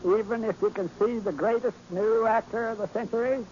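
An actor playing Windy Wales, a boastful, folksy old cowboy sidekick in a 1940s radio western, full of drawling bluster and cackling laughs. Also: male voice, high voice, fairly even intonation, a little fast, a little mellow, lightly acted. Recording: dull old radio transcription with faint hiss.

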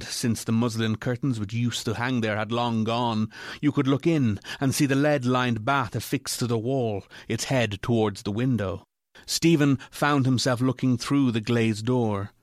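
A man narrating a literary ghost story in a measured, formal way. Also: medium pitch, no room sound, clean studio sound, close to an everyday voice.

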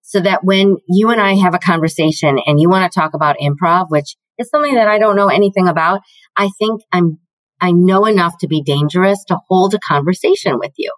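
A middle-aged woman with a deeper voice, answering interview questions in a confident, measured, emphatic way. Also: no echo, poor audio. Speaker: guest, learning and development executive.

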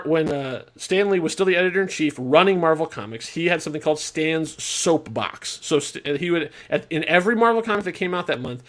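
Man, podcast co-host, casual chat, rambling, lots of fillers, fairly high pitch. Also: fairly bright tone. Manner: rambling, many restarts and "like" fillers. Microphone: own remote podcast mic.

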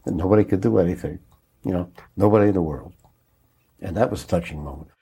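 An older man recalling a day he covered on air, speaking haltingly with many restarts and a moved, choked-up tone. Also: low-pitched, warm tone, breathy edge. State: moved, choking up. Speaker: interviewee recalling a broadcast. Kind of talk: reflective interview recollection.

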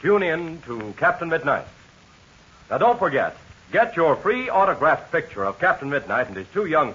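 A man with an American accent announcing in an old 1940s radio style, pitching enthusiastically to young listeners like a salesman. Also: pushed and bright, husky. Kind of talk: old-time 1940s radio announcer, serial outro and ad read. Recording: dull, lo-fi vintage radio transcription.

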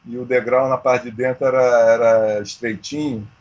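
A man of around sixty with a husky voice, chatting informally and slangily as he tells stories. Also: mid-range voice, steady tone, moderate pace, a little mellow, highs cut off. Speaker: amateur triathlete, interview guest. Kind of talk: casual chat, storytelling.

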